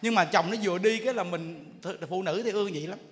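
A Buddhist monk, giving a jokey, lively storytelling sermon in which he acts out characters. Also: high-pitched, fast. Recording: echoey hall, faint ambience.

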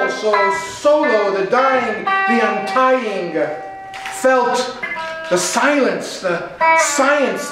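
A middle-aged man reading his own poetry dramatically, in a deliberate, incantatory manner with stuttered repetitions. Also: very high voice. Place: small indoor art gallery before an audience. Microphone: distant camera. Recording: echoey gallery room, guitar behind. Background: electric guitar with effects.

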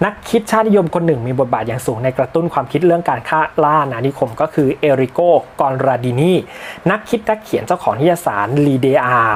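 A man narrating a history lesson in a relaxed, polite way, with the odd filler and slip. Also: medium pitch. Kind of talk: informal history lecture.

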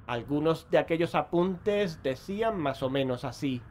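An actor playing an earnest, convinced investigator of occult horrors in an audio drama. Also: male voice, on the high side, animated, normal speed, background noise, natural voice. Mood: solemn. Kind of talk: audio drama dialogue and narration. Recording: echoey hall with long reverb.

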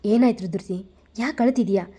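A woman's voice: fairly high pitch, moderate pace, dark tone, breathy edge. A woman voicing a teasing police husband. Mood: teasing tender. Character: teasing, caring young police officer husband.

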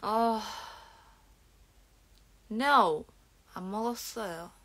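A woman's voice: mid-range voice, very slow. A young woman in her twenties with a Korean regional accent, chatting casually on a livestream from a dim bedroom, reading comments aloud and often dropping into whispers and giggles. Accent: Korean regional dialect. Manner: soft-spoken, drifts into whispers and giggles. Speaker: idol livestream host. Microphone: phone held at arm's length.

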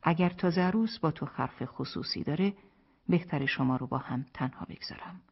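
A sly old village uncle with a dry, knowing delivery, read by the audiobook narrator. His voice is breathy and soft. The recording sounds dull and lo-fi. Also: mid-range voice.

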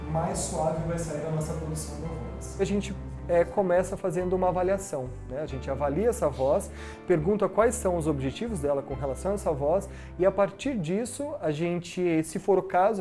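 Speech therapist guy, dark mellow voice, soft music under, keeps saying né. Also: a little high. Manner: explanatory, frequent "né?" tags. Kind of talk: interview and exercise instruction.

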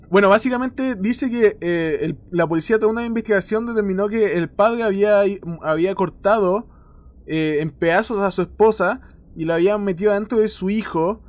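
A man's voice: sits high, slight background noise. A young man with a Chilean accent giving let's play commentary on a horror game, swearing often and yelping in fright. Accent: Chilean Spanish. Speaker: gaming youtuber.

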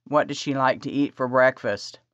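A woman voicing a kind young husband with a lowered, soft, plain voice. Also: steady tone, moderate pace, no room sound. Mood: gentle. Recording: slightly dull dry recording.

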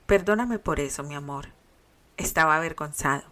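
A woman's voice: low voice, moderate pace, bright, forceful tone, pitched below the performer's own voice. Terry: tender teasing young man, read by a woman, storybook reading.

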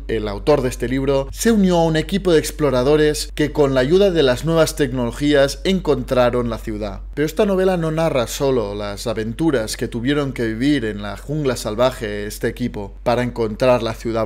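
A young man, a native Catalan speaker, presenting book recommendations to camera in an expressive, emphatic and playful way. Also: mid-range voice. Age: young adult. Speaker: book vlogger. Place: small indoor room lined with bookshelves.

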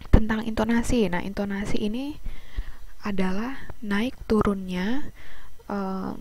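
A woman teacher with an Indonesian accent giving an online class over a video call, explaining slowly with many fillers and restarts. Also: medium pitch, background noise. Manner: hesitant explaining, frequent fillers, self-corrections.

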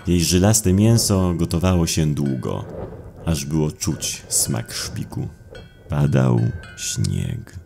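A man narrating a dark audio drama in a brooding, dramatic way with deliberate pauses. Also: very deep voice, gravelly, slight background noise. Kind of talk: dramatic scripted horror narration.

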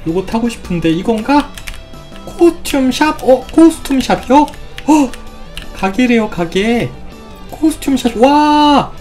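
Woman gamer, bright high voice, bubbly let's-play commentary with sound effects, faint music under it. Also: lively intonation, slow. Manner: playful, exclamatory, lots of sound effects. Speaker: gaming YouTuber.

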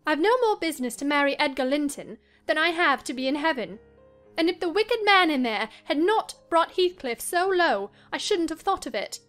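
A woman playing a willful, troubled young gentlewoman in a dramatized audiobook, earnest and dramatic. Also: sits high, animated, normal speed, pitched above the performer's own voice. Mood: passionate. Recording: music under the voice.

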